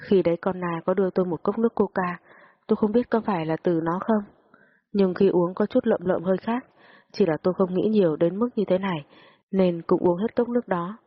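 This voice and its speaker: A woman's voice: brisk, breathy edge, lo-fi sound. A woman voicing a sobbing frightened young woman. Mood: tearful pleading. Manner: pleading, higher and tearful. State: crying. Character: frightened young woman under police questioning.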